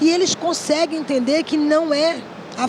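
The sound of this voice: Moderate-paced speech from a woman, with noticeable noise behind it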